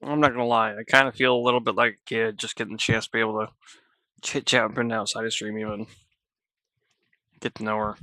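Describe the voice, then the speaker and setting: Bright-voiced man chatting to his pets. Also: lowish voice, little pitch movement, fast talker, pauses often, no room sound. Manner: coaxing and scolding his pets in a chatty, joking way. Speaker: streamer. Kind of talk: casual live-stream chat.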